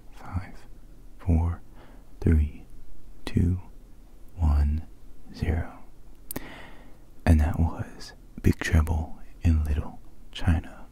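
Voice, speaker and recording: A man speaks in a hushed ASMR whisper, drifting along with fillers as he chats. His voice sits very low and dark, and it moves slowly. A faint hiss runs underneath. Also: vocal fry. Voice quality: soft whisper. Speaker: ASMR video host. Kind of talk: whispered ASMR movie quote game.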